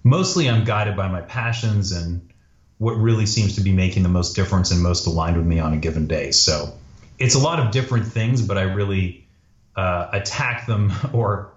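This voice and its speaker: A man from Canada, a podcast guest giving casual, conversational answers about himself. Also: deep voice. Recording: roomy, slightly dull audio.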